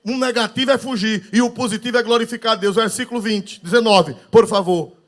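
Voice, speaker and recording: Older pastor from northeast brazil preaching, fairly high voice, fiery, keeps shouting hallelujah. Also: male voice, fairly even intonation, brisk. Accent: Northeastern Brazilian Portuguese. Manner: fervent preaching with frequent hallelujahs, swings from loud to quiet. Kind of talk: sermon.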